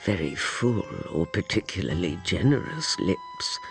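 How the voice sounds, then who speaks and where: A sly slow narrator. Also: low voice, sing-song, creaky, music in the background, full character voice. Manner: wry, insinuating storyteller. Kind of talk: radio drama narration.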